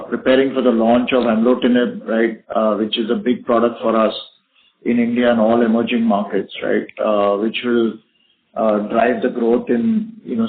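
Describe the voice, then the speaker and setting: Halting male executive on a phone line. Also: medium pitch. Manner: halting, often tags statements with "right?". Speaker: company executive answering questions. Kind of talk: earnings call discussion. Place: conference call. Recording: narrowband phone conference line.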